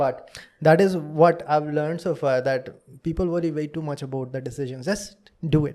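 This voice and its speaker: A man's fairly high voice carries a dark, mellow tone and fairly even intonation. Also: moderate pace. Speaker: personality coach and podcast co-host. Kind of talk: casual podcast chat.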